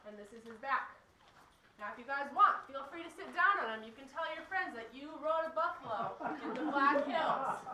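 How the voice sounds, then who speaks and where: High-voiced woman guiding in cave echo. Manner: speaking out in an echoing cave. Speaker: cave tour guide. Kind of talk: guided tour talk to a group. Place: inside a limestone cave. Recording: echoing cave, distant mic, some noise.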